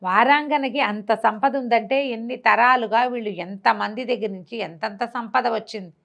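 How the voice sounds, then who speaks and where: A woman's voice: on the high side, normal speed, gravelly, fairly bright tone, muffled recording. A woman retells a classical tale conversationally, acting out the dialogue and posing rhetorical questions as she goes. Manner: acts out characters' dialogue, asks rhetorical questions. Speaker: storyteller.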